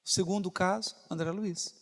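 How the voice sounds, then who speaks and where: A man's voice: sits high, steady tone, moderate pace, a bit bright. A man giving a spiritist lecture, telling a story with rhetorical questions to the audience. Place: lecture hall. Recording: reverberant lecture hall.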